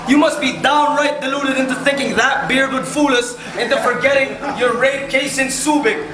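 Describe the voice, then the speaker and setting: A man performing battle rap, shouting taunting rhymes at his opponent. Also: very high-pitched, steady tone, normal speed. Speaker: battle rapper. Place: live battle venue. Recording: echoey room, loud crowd and noise.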